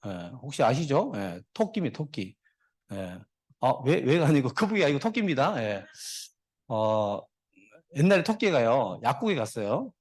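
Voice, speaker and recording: A man's voice: medium pitch, sing-song, normal speed, a little mellow, breathy edge. A middle-aged man giving a motivational guest speech, telling stories and dad jokes to the audience. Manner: jokey storyteller, dad jokes, talks to the audience. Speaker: guest speaker.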